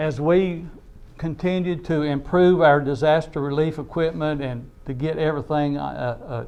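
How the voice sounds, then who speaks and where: In an East Tennessee accent, the speaker talks at a fairly slow pace with fairly even intonation. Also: man, fairly high pitch for a man. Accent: East Tennessee Southern US. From US South (Kingsport, East Tennessee). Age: 70s. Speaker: disaster relief volunteer leader. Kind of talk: talk to a civic club.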